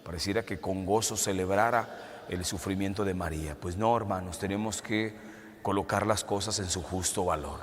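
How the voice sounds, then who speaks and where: A man, a Catholic priest, reading the gospel and preaching a homily in a church, his voice carrying a cathedral echo. He speaks in a measured way and poses rhetorical questions. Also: low voice. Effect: cathedral echo, long church reverb. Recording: long church reverb, faint hiss.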